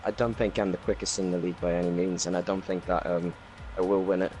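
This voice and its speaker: A man's voice: low-pitched, level tone, fast talker, a little mellow, faint music behind. A man with a Welsh accent talking casually about his race, with lots of fillers and restarts. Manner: rambling race recap with many fillers. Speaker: racing league driver. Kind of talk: casual post-race chat. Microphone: new home microphone.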